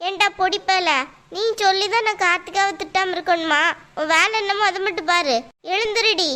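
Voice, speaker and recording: Woman voicing a loud, demanding cartoon mother; squeaky high, bright tone. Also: fairly even intonation, fairly quick. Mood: angry. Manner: shrill, bossy, demanding. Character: loud scolding mother, quarrelsome and pushy. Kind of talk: cartoon voice acting.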